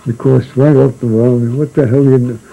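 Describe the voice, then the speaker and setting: An older man recalling his seafaring days in a casual spoken memoir. He talks in a halting, rambling way, full of restarts and fillers. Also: medium pitch, steady tone, vocal fry, dark tone, poor audio.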